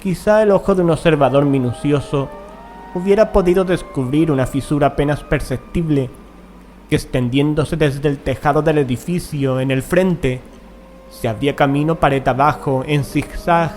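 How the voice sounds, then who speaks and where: A man reading a gothic horror tale as an audiobook narrator, in a measured, deliberate manner with dramatic pauses. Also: medium pitch, a little mellow, slight background noise. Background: music.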